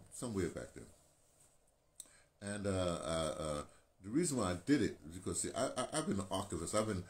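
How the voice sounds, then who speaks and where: An American man in his sixties rambling casually to his phone camera, halting and digressive, repeating phrases as he goes. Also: low-pitched, darkish tone. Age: 60s. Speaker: video blogger, radio veteran. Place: small painted room indoors. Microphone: phone at arm's length. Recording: clear ambient background noise.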